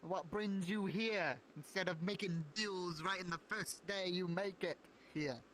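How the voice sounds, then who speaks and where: A man's voice: high voice, measured pace, a bit bright, a little hiss or hum. A man playing a distrustful, indignant town survivor in an improvised fantasy roleplay, theatrical and accusatory. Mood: suspicious.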